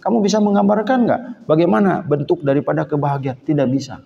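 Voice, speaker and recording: A gravelly, fairly high-voiced man delivers an animated sermon. He jumps between loud emphasis and quiet asides. He is recorded in a reverberant mosque hall. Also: fast, muffled recording. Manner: lively, switching languages, shifting between shouts and low asides. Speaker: preacher. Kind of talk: Islamic sermon.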